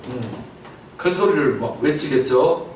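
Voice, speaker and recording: A man delivers an emphatic Sunday sermon, tossing questions to the congregation and breaking into loud outbursts. His voice sits at an ordinary pitch for a man. The recording comes from off-mic in a heavily echoing church with a faint hiss underneath. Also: animated, measured pace. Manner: rhetorical repetition and sudden loud outbursts. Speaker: pastor. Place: church sanctuary. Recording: echoey church from a distance, faint noise.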